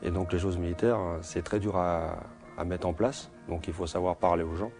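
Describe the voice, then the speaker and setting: A man in his forties, born in Portugal, with a very low voice. He answers interview questions slowly and haltingly, restarting phrases and filling pauses. Soft music sits faintly under his speech. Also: steady tone. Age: 40s. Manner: hesitant, many fillers and restarts. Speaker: security company owner.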